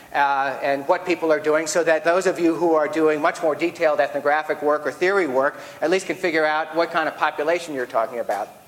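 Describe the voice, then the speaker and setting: A man speaks at a very fast pace and a fairly high pitch, with fairly even intonation. Noticeable background noise runs beneath him. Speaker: keynote speaker, internet researcher. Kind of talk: conference keynote lecture. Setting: stage with audience.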